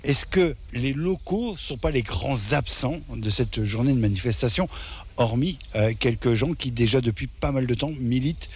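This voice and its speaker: A man's voice: mid-range voice, expressive, moderate pace, breathy edge. A man asking interview questions, with a hesitant way of questioning.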